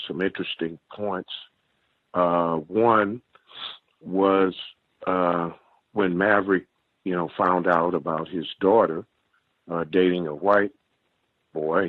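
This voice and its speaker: A man in his sixties calling in to a book discussion, speaking in a halting, thoughtful and critical way. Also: sits low, no echo. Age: 60s. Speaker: caller on a study-group call. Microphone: phone. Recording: tinny dry phone line.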